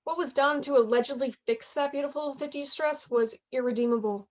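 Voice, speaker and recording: A woman's voice: sits high, brisk, darkish tone, close to an everyday voice. A woman playing a playful, persistent eighteen-year-old journalism student in a play reading, chatty and probing. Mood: reassuring. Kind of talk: staged reading of a play, naturalistic dialogue.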